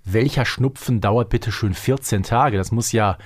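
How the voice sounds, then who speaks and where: A man's voice: lowish voice, unhurried, slight background noise. A man co-hosting a podcast in casual, emphatic conversation. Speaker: podcast co-host.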